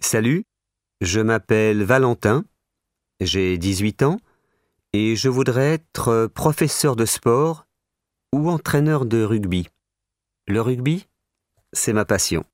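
A man voicing a young rugby fan who wants to coach, in a slow, plain scripted monologue. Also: medium pitch, no room sound, studio quality, natural voice. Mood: earnest. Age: young adult. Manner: slow, plain, careful delivery. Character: young male rugby fan, earnest and keen. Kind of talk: scripted listening-exam monologue.

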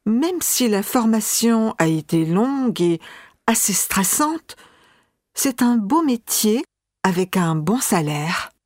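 Woman playing a calm young lady doctor, slow measured talk, dry close sound. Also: medium pitch, no room sound. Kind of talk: scripted listening-exam monologue.

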